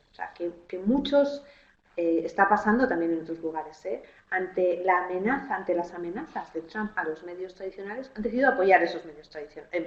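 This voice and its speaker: A woman political analyst giving a measured, analytical answer in a webinar over a video call. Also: on the low side. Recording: roomy, dull online audio.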